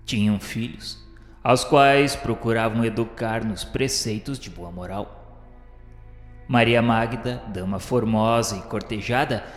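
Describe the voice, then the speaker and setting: A man's voice: mid-range voice, natural voice. Radio drama role: embittered, obsessive male inquisitor played by a man, Brazilian accent, solemn theatrical narration, echoing hall, music underneath. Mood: bitter, calculating. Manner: solemn, literary, theatrical delivery. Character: embittered, obsessive inquisitor recalling forbidden love and rivalry. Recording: echoey hall reverb, music behind.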